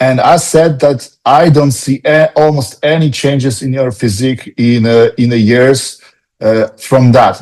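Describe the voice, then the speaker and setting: A man with a non-native accent at a fairly slow pace, medium in pitch with ordinary pitch variation. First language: not English. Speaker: podcast host. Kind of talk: casual interview chat. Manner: halting, many restarts.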